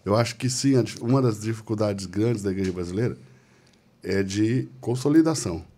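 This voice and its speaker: A man's voice: fairly low pitch, fairly quick, mellow. A man hosting a church podcast, sharing reflective thoughts in casual conversation. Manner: reflective, thinks aloud. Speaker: podcast host. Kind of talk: casual chat.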